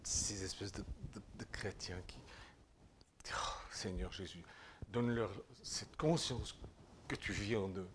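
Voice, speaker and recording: A man with a Swiss French accent preaching a sermon, exhorting listeners directly with informal address, swinging between loud declarations and quiet asides. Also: fairly low pitch, steady tone, takes it slowly, long pauses, slight background noise. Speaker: pastor.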